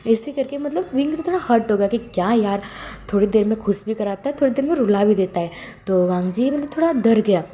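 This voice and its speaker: Woman telling a fanfic story, keeps correcting herself, mellow warm voice. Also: fairly high pitch, lively intonation, a little fast, a little hiss or hum. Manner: rambling, heavy use of fillers and self-corrections. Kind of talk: casual fan fiction narration.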